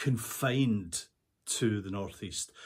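A man with a Scottish accent speaks in a somewhat breathy voice with ordinary pitch variation. The background is quiet. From Scotland. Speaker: linguistics professor. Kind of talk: interview answer. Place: office. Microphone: webcam.

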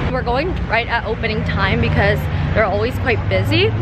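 Music plays in the background as a woman talks at a moderate pace. Her voice sounds dry, with no echo. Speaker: travel vlogger. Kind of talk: casual vlog chat. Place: street. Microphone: phone near.

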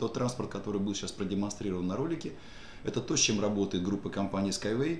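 Speaking at a very fast pace with lively intonation, a man is heard with audible room echo. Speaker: webinar presenter for an investment company. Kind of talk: sales pitch. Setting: online webinar.

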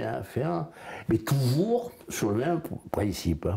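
Somewhat breathy, this man's voice has a dark, mellow tone. He talks fairly slowly. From Arles, France. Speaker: museum curator. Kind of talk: interview answer. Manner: hesitant, conversational. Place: home room.

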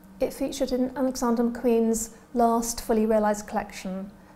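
A woman is talking at a moderate pace. Her pitch varies in an ordinary way. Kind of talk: interview answer. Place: studio.

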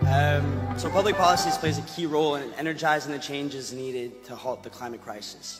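Over faint music in the background, a man speaks with a fairly high pitch and ordinary pitch variation. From Canada. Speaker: actor and singer. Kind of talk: award show presentation read. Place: stage. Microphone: podium.

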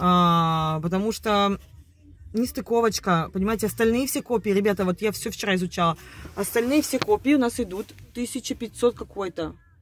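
The voice moves at a moderate pace with ordinary pitch variation, in a dry sound with no echo. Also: woman. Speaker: video blogger. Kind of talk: casual vlog monologue. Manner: animated. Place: car. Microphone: phone near.

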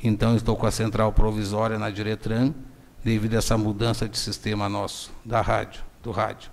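His pitch sits fairly low, and his tempo is moderate. The man's intonation stays flat and monotone. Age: 50s. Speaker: traffic department coordinator. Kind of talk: council hearing testimony. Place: hall. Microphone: podium.

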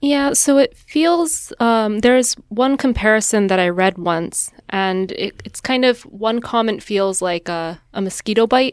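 A woman with a fairly high pitch talks at a very slow pace, her intonation lively. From Japan. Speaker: news reporter. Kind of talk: casual discussion.

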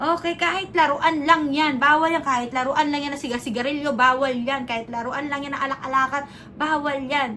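A woman with a high pitch talks at a fairly quick pace in a raised, projected voice and an animated tone over noticeable background noise. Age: 30s. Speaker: vlogger and livestream agency manager. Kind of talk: vlog tutorial.

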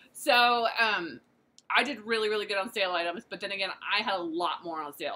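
A woman talks at a moderate pace with ordinary pitch variation. Her tone is bright and sharp. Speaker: online reseller, haul vlogger. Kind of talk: casual vlog chat. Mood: cheerful, laughing. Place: home room. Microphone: phone near.

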